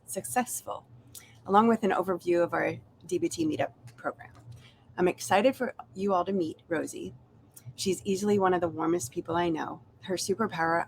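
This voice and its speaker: A woman hosting an online event, giving a scripted introduction and housekeeping notes. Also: lowish voice. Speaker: session host. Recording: clearly noisy background.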